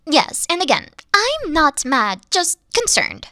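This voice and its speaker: A woman's voice: high-pitched, huge pitch swings, slow, bright, forceful tone, dry recording, studio quality, full character voice. A woman playing a dorky, theatrical evil queen who is secretly sweet, talking pompously and then slipping into casual speech in a comedic audio roleplay. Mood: polite, chirpy villainy. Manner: grandiose, pompous villain talk slipping into casual dorkiness. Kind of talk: comedic character roleplay monologue.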